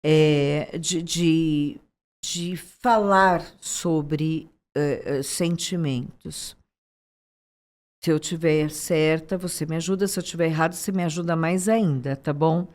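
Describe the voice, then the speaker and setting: A Brazilian woman hosting a podcast, talking thoughtfully and pausing to find words. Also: deep voice, fairly even intonation, darkish tone. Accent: Brazilian Portuguese. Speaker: podcast host. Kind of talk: conversational interview.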